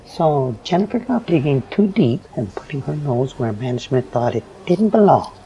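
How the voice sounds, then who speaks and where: An actor playing a cynical, fearful newsroom worker in an audio drama, cautioning and lecturing in a hushed manner. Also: male voice, mid-range voice, sing-song, moderate pace, slight background noise, poor audio. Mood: wary. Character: cynical, fearful male newsroom worker who obeys management.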